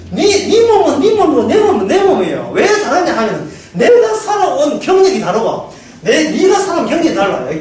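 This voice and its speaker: A man preaching a sermon as pastor, lively, often laughing and asking his listeners questions. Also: extremely high pitch, recorded from a distance. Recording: very echoey hall, mic from afar, faint noise.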